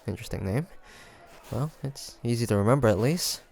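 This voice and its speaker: A man's voice: mid-range voice, expressive, brisk, creaky, a little mellow, a little hiss or hum. A man playing a curious, teasing demon hunter in an audio roleplay, talking to the listener in a hesitant, conversational way. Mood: casual. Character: male demon hunter traveler, curious, teasing, softly tsundere. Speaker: voice actor.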